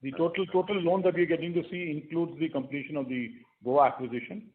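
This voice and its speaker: A man with an Indian accent, a company executive giving measured, structured and formal answers on an investor call. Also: on the high side, steady tone. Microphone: telephone conference line. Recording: narrow phone-line conference audio.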